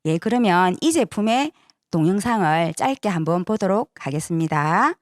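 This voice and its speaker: Persuasive woman with a lively, swinging pitch. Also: moderate pace, no echo, studio quality. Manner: persuasive, with frequent "그죠?" tag questions. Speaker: sales seminar speaker. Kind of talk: presentation to an audience.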